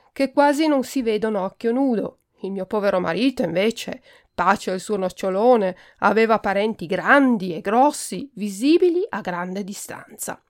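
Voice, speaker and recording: A woman's voice: medium pitch, natural voice. A woman voicing a haughty, scornful countess who whines and sneers, in a storybook reading. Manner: scornful, whining.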